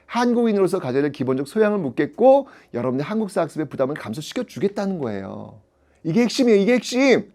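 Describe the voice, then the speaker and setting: A man gives an animated audio-only exam prep lecture on history. His voice sits slightly high and swings widely as he questions his students and laughs along the way. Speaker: history teacher.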